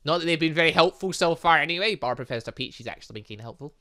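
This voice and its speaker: Animated, bright-voiced man doing game commentary. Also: on the high side, rapid-fire. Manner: exclaims and reacts dramatically to the game. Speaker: gaming channel host. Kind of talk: let's play commentary, reading visual novel dialogue aloud.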